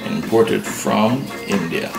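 A deep-voiced man talks through a home cooking demo, his voice gravelly and swinging widely in pitch. He repeats himself and keeps answering with a yes. Loud music plays under him. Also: lively intonation, takes it slowly. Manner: repetitive, affirming himself with frequent yeses. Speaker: home cooking channel host. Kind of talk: casual cooking demonstration. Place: home kitchen. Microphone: off-camera, hands only in frame.

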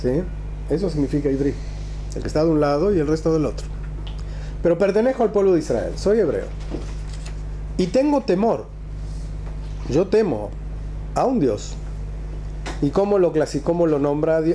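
A man with a slightly high, animated voice speaks at normal speed with long pauses and a dark tone. He is a rabbi teaching a religious text conversationally, using rhetorical questions and emphatic repetition. He's indoors in a small classroom, with slight background noise.

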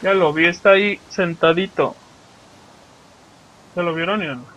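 High-voiced profane Mexican young gamer. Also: male voice, fairly even intonation, a little slow, bright, forceful tone, a little hiss or hum, low-quality recording. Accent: Mexican Spanish. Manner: profane, joking, talks to viewers while playing. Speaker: gaming channel host. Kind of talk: casual let's play commentary.

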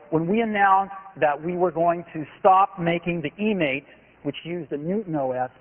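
A man in his forties giving an emphatic product keynote on a big conference stage. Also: on the high side. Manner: enthusiastic, emphatic salesmanship. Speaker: company executive giving a keynote. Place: large conference hall stage. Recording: tinny lo-fi archive recording of a hall.

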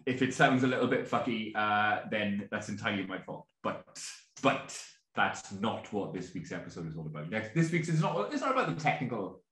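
A man's voice: fairly low pitch, sing-song, a little fast, a bit bright. A man co-hosting a podcast, bantering wryly and hamming up the show's intro. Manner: wry banter, mock-grand show intro. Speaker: podcast co-host. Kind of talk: casual chat. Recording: roomy echo.

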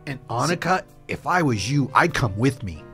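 A man's voice: medium pitch, sing-song, moderate pace, pushed and bright, faint music behind. A man playing an eager, awkward Canadian oil geologist on a dinner date in an improvised radio drama, earnest and chatty. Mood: concerned, tender.

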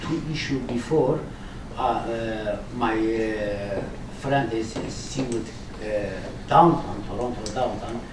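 A middle-aged man speaks broken English with a Kurdish accent, feeling his way through a question. His voice sits at an average pitch, picked up from a distance in an echoey, noisy meeting room. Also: slow, hardly any pauses. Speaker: community journalist asking questions. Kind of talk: question from the floor at a community meeting. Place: meeting room, seated around tables. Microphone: distant camera microphone.

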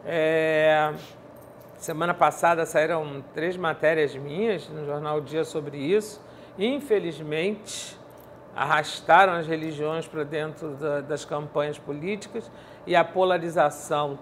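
A woman's voice: sits low, fairly even intonation, a little slow. Casting: middle-aged Brazilian woman, conversational interviewer, seated studio setting, slight noise behind. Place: quiet indoor studio, seated.

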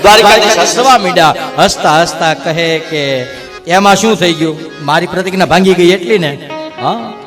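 A man's voice: on the high side, normal speed, over music. A man giving a devotional katha sermon, telling the story dramatically and acting out the quotes. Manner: dramatic storytelling with acted quotes and brief sung lines.

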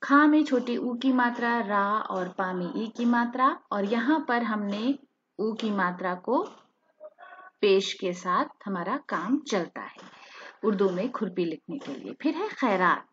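A woman teaching a language lesson, spelling out words letter by letter in a slow, careful way. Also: medium pitch, highs cut off, slight background noise.

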